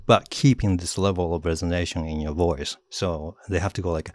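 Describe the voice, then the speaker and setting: Japanese-accented man with a low, deep voice. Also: fairly quick, no echo. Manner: animated, demonstrates voices, laughs often. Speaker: author, guest. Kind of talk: casual interview talk.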